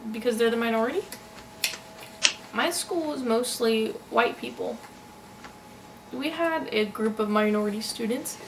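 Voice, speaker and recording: Female interpreter voicing a signed account, halting delivery, creaky voice, picked up from a distance with faint noise. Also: fairly high pitch. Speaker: sign-to-voice interpreter. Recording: noisy, distant microphone.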